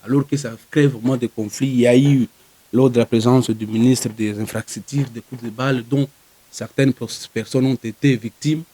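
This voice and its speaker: Male spokesperson, Congolese French accent. Mid-pitched, soft-edged voice, formal press statement style with deliberate, wordy phrasing. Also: fairly even intonation, breathy edge, dry recording. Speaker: spokesperson for a community organisation.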